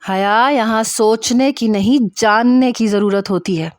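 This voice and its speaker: A woman's voice: medium pitch, no echo, studio quality, natural voice. A woman voicing a stern, angry male senior doctor in a story narration, with a harsh, emphatic, reprimanding manner. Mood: loud, furious.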